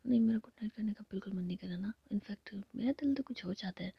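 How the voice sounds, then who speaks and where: A woman's voice: mid-range voice, fast, vocal fry, husky, no room sound. A woman voicing a playful, teasing young woman who coaxes her partner in a whisper. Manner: whispered, coaxing. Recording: dull lo-fi recording.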